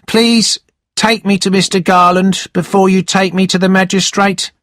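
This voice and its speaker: A man's voice: flat delivery, normal speed, a bit bright, dry recording. A man reading a storybook aloud, voicing an honest young male servant who pleads earnestly in a raised voice. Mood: pleading. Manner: earnest, high-pitched pleading.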